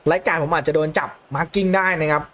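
A young man commentating his own football video game match, calmly explaining tactics between loud excited outbursts. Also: fairly high pitch, rapid-fire. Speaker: gaming YouTuber. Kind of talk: live gameplay commentary.

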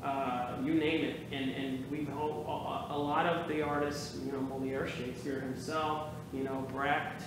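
A man's voice: mid-range voice, level tone, measured pace, hardly any pauses. A male talk show host interviewing a guest, chatty and affirming as he builds his questions. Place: theater stage. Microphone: far camera. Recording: echoey stage from far off with noise.

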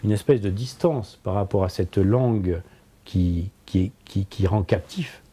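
A man's voice: sits low, mellow, slightly rough. A French-speaking man in his sixties, a philosopher giving an interview in a book-lined office, speaking thoughtfully with many hesitations and repeated words. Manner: thoughtful, halting, frequent repetitions and hesitations. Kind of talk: conversational interview.

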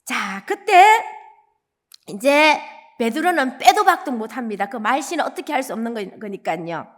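A woman evangelist with a Gyeongsang accent, preaching a dawn service sermon as animated storytelling. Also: fairly high pitch, moderate pace. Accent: Gyeongsang Korean. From Gyeongsang region, South Korea. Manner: animated storytelling, acting out quoted lines.

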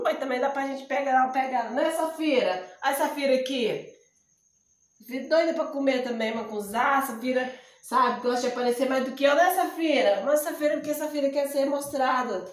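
Hoarse high-voiced cearense woman. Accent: northeastern Brazilian, Ceará. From Ceará, northeast Brazil. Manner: joking, chatty, laughs often. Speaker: vlogger. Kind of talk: casual chat to camera. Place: small room indoors at home. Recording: echoey room.

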